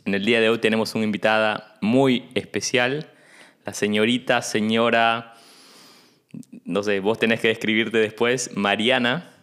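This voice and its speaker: A man's voice: fairly low pitch, steady tone, normal speed, a bit bright, clean tone. A man with a Rioplatense Spanish accent hosting a podcast in a casual chat, asking easygoing questions. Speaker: podcast host.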